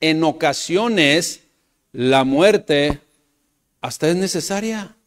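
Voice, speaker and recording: A pastor with a Mexican Spanish accent delivers a sermon to his congregation at an extremely slow, animated pace. He repeats phrases, calls out to the brothers and the church, and shifts between loud emphatic bursts and soft, low asides.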